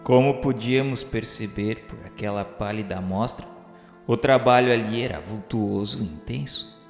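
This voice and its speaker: A man reading a spiritist radio novel aloud in a formal, measured, grave manner. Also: on the low side, vocal fry, reverberant, long reverb tail, soft background music. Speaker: narrator. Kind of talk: solemn scripted narration of a spiritist radio novel.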